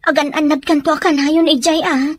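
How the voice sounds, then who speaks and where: A woman's voice: sits high, level tone, brisk, natural voice. A woman with a Filipino accent acting emotional domestic roles in an audio drama. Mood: concerned. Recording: some background noise.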